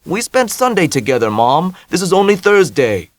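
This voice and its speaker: A man's voice: high-pitched, big pitch swings, normal speed, dry recording, pitched above the performer's own voice. A grown son, patient but worn thin, as a male narrator plays him, explains himself to his mother. The voice sits a little above the narrator's own and stays dry and close in a storybook reading. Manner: patient, slightly exasperated.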